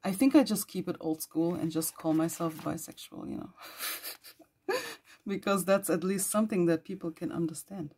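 A woman with a hoarse, worn voice who is losing it, chatting casually while flipping through her journal and clearing her throat often. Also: lowish voice, normal speed, a little mellow. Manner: rambling, chatty with small laughs and throat clearing. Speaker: journal vlogger.

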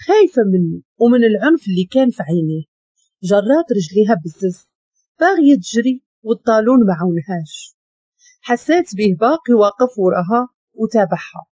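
A woman with a Moroccan accent narrating a dramatic story in an expressive reading. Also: fairly high pitch, brisk, breathy edge, no echo. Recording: dull lo-fi dry recording.

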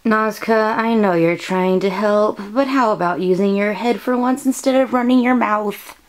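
A haunted young anime woman, acted by a woman. She is sharp-tongued and reproachful, speaking intensely at a middling pitch. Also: normal speed, lightly acted. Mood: exasperated. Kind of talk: dramatic anime-style voice demo.

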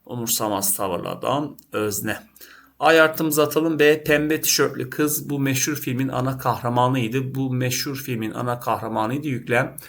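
A man's voice: medium pitch, moderate pace, creaky, fairly bright tone. A man teaching a lesson, working through test questions by asking and answering them himself and often addressing his students. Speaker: Turkish teacher.

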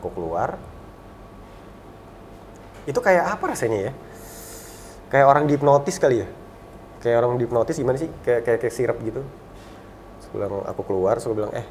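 A man in his thirties, a talk show guest, telling a personal story in a relaxed, reflective way and going soft and low on sad memories. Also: normal speed, long pauses, slight background noise. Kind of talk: casual conversational storytelling.

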